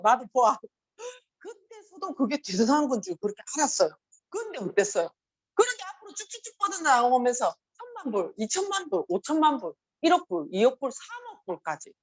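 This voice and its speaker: A middle-aged woman with a Gyeongsang accent gives a motivational seminar talk, animated and acting out quoted voices. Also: sits high, breathy edge. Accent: Gyeongsang Korean. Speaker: motivational speaker.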